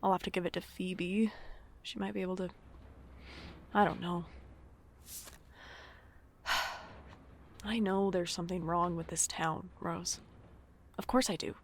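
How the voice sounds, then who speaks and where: Wistful uneasy woman, really slow n halting, creaky, confiding, audio drama. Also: on the low side, little pitch movement, slight background noise.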